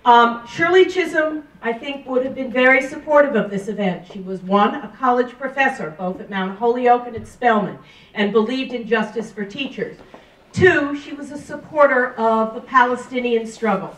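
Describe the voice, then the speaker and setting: A middle-aged woman professor giving a loud, emphatic speech at a campus event, holding a handheld mic. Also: on the high side, moderate pace. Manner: loud, emphatic, listing with rising stress. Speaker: professor reading a statement. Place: large lecture room. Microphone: handheld mic, far camera. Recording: roomy hall from far off.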